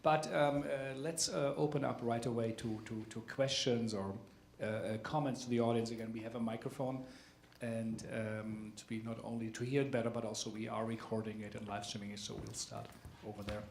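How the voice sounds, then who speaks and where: A man's voice: medium pitch, fairly even intonation, a little fast, vocal fry, hardly any pauses, reverberant, a little hiss or hum. A man moderating a theater talkback, speaking hesitantly with many fillers. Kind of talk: hosting a talkback.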